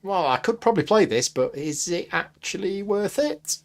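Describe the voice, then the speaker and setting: A man's voice: high voice, expressive. Man calling the game turns. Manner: brisk, runs the turns. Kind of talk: casual chat while gaming.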